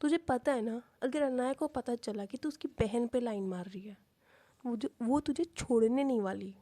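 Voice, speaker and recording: A woman's voice: a little high, moderate pace, warm tone, lightly acted. A woman doing a bossy, teasing young woman. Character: confident teasing young woman, strict and sharp.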